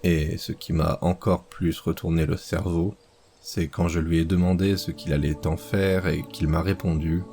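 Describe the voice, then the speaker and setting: A man reading a horror story aloud as scripted narration, slow and measured. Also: deep voice, flat delivery, dark tone, soft background music.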